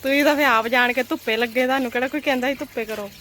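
A woman's voice: sits high, fairly even intonation, rapid-fire, fairly bright tone, slight background noise. A woman with a Punjabi accent chatting casually in a teasing, chiding way as she vlogs. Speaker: vlogger. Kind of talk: casual vlog chat.

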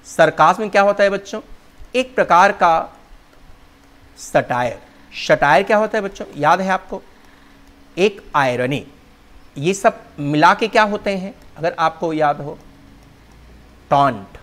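A man's voice: sits high, expressive, measured pace, long pauses, a bit bright. A male teacher explaining English vocabulary and spelling in Hindi, calling his students "children" and spelling words out letter by letter.

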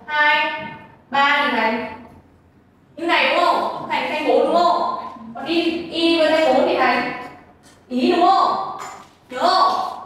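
A woman teaching a Chinese class online, drilling pronunciation and gently correcting students. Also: sits high, slight background noise. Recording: echoey, far from the mic.

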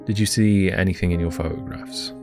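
Man acting calm deep-voiced therapist. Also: music in the background. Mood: calm, probing. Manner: measured, polite questioning. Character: calm, probing male therapist questioning a troubled patient. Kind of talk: audio drama acting.

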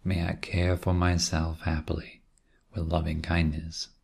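A man leading a guided meditation as a teacher, speaking in a calm, gentle and unhurried way with long pauses and a husky, gravelly voice. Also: extremely low pitch, slight background noise. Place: quiet room.

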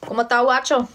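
A young woman from Virginia chats on a casual phone livestream inside her home, the phone held close. Her voice sits high with a fairly bright tone as she reads viewers' comments aloud, answers them, and greets them by name.

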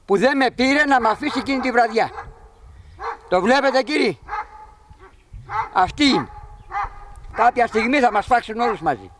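A middle-aged man outdoors at his sheep pen, retelling to a reporter what happened in an agitated, animated way. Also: very high-pitched, pauses often, crowd noise. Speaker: sheep pen owner telling of an intruder. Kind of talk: eyewitness account to a reporter.

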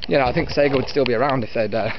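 A man's voice: medium pitch, very fast. Rambling young British man outdoors, noisy muffled audio. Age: 20s. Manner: self-deprecating, blithering. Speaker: vlogger, retro gaming YouTuber. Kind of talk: rambling casual walking vlog. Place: outdoors, walking along a field edge by trees. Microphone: camera on a stick at arm's length. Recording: dull muffled camera audio with outdoor wind noise.

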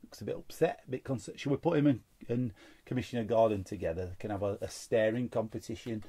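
Man, gravelly voice, casual unboxing chat, rambling, mumbled asides. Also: lowish voice, fast talker, mellow. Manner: rambling, chatty, muttered asides. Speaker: card-opening channel host.

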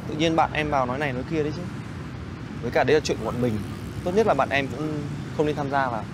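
An actor with a Northern Vietnamese accent playing a stubborn, defensive young boyfriend in a TV drama. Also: male voice, medium pitch, racing, lightly acted. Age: 20s. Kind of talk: screen drama dialogue. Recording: clear street noise behind.

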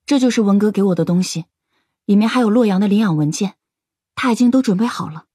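A woman's voice: mid-range voice, fast talker, warm tone, husky, no room sound, clean studio sound, close to an everyday voice. A woman playing an earnest, guarded, grieving young woman in an audio drama. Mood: sad, earnest.

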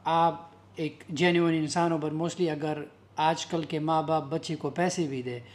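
Joking male host, slightly high voice. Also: steady tone, measured pace. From Pakistan. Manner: joking, mixes English into Urdu-Hindi. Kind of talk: casual interview. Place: indoor furniture warehouse showroom.

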